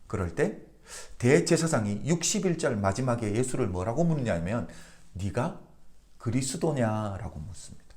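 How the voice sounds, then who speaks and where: A male pastor from Korea delivers a daily devotional sermon in a voice of middling pitch that rises and falls with real liveliness. He keeps putting questions to the congregation and then answering them himself. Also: a little mellow.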